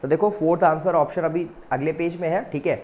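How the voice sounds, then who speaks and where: A man's voice: fairly high pitch, a little mellow. Man teaching an exam-prep lesson. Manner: reads English slowly, explains fast in Hindi; calls students "beta".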